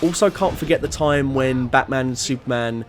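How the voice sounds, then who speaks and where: A man's voice: mid-range voice, moderate pace, soft background music. A man narrating a scripted video essay in an opinionated, informal and emphatic way.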